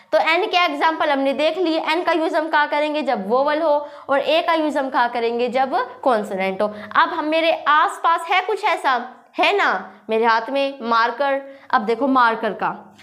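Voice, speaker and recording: High-voiced woman teaching grammar. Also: a bit bright. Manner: quizzes listeners with repeated questions, spells words aloud. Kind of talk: classroom-style grammar lesson.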